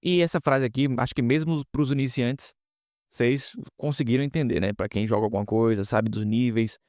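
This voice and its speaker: A man's voice: mid-range voice, steady tone, a little fast, darkish tone, no echo, studio quality. Man teaching English in Portuguese. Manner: explanatory, repeats and checks in with "tá?". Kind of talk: casual online lesson.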